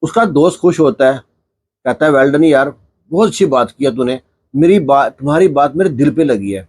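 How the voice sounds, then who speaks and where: A man's voice: medium pitch, lively intonation, darkish tone, husky. A man narrating a moral story in an earnest, heartfelt way, stepping into the characters' dialogue as he goes.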